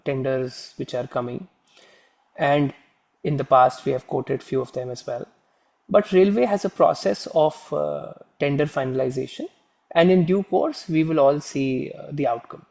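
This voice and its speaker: A man with an Indian accent answering questions on an earnings call as a company executive, in a formal, measured, corporate manner. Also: fairly high pitch, gravelly, a little mellow.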